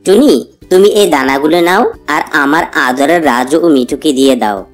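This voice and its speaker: A woman's voice: deep voice, animated, moderate pace. A woman voicing a devoted, brave cartoon father bird, earnest and reassuring. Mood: gentle. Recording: music bed under the voice. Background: background music.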